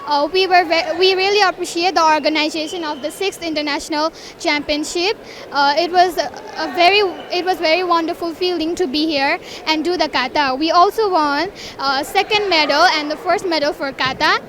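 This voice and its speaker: Young nepali karate girl, super high voice, stops and restarts a lot, bit of noise. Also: a bit bright. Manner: halting, with fillers and restarts. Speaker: karate athlete. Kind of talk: spoken thank-you statement to camera. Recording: faint background noise.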